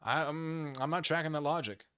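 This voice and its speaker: A man's voice: a little high, moderate pace, bright, forceful tone, clear, resonant tone, no room sound, clean studio sound. A man streaming off-the-cuff commentary as he reads a document aloud, dropping mocking, theatrical asides. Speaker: commentary streamer, channel host.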